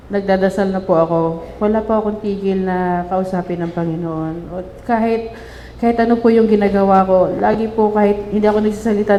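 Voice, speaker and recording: Halting Filipina woman testifying in echoey hall. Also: medium pitch, mellow. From Philippines. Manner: halting, many restarts and fillers, polite "po". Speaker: witness giving public testimony. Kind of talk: emotional personal testimony. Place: large public hall. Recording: echoey hall, faint room noise.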